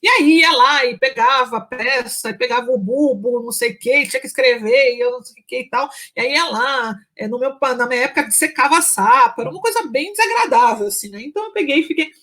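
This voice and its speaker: Hardly pausing, a female psychology professor talks fast in a high-pitched, sharp voice while telling a story in a casual interview. Her delivery is chatty, packed with fillers and restarts, and she acts out what people said.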